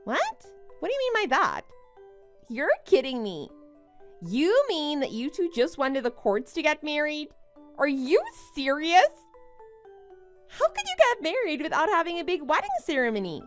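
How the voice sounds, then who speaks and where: Woman acting a high-pitched, gloating young bride. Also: huge pitch swings, moderate pace, soft background music. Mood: incredulous, mocking. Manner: gloating, condescending, exclaiming. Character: smug, boastful young bride who taunts her friend. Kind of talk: melodramatic animated-story voice acting.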